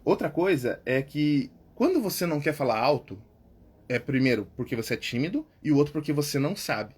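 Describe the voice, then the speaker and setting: A Brazilian man coaching public speaking in a relaxed lesson, his voice a touch husky and pitched somewhat high for a man. He hammers key words through repetition and keeps checking in with his listener at the end of phrases. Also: brisk. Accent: Brazilian Portuguese. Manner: repeats key words, ends phrases with tag questions. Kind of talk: casual instructional talk.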